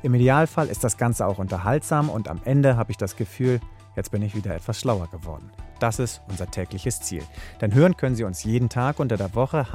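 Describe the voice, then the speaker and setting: Male podcast host, low register, scripted promo read, light music behind. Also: a little mellow. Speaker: podcast host, radio presenter. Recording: music under the voice.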